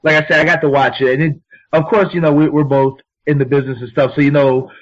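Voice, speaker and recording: A man's voice: fairly high pitch, fairly even intonation, fast talker. Informal male interviewer, dull lo-fi sound. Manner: informal, wordy lead-ins to questions. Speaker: interviewer, show co-host. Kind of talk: casual conversational interview. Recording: dull lo-fi audio.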